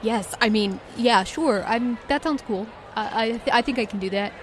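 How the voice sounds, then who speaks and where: A woman voicing an excitable, starstruck man who loves art, gushing and stammering in a tabletop game. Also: fairly high pitch, normal speed, slight background noise, close to an everyday voice. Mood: eager, starstruck.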